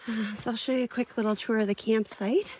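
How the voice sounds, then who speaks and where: A woman's voice: a little high, steady tone, fast talker, a little mellow, a little hiss or hum. A woman giving a casual, chatty camping vlog tour outdoors, with easy laughs and lots of fillers. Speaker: camping vlogger. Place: outdoors at a lakeside forest campsite.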